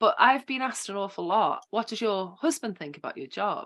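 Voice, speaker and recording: A woman with a Liverpool accent speaks at a fairly quick pace in a very clean recording with a silent background. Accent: regional Liverpool (Scouse). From Liverpool, England. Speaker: ethical social engineer, security tester. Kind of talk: podcast interview. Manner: animated, conversational with fillers.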